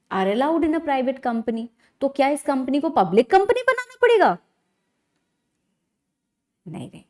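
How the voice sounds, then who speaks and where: High-voiced Indian woman teaching. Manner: animated teacherly, asks and answers own questions, frequent check-ins. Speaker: law lecturer. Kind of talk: conversational online lecture in mixed Hindi and English.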